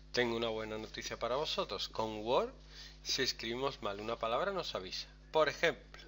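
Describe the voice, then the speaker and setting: Male teacher, bright and animated, walking students through a task step by step, faint keyboard typing behind him. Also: mid-range voice, slight background noise. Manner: lively, chatty, explains step by step with frequent "¿vale?". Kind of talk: screen-recorded software lesson.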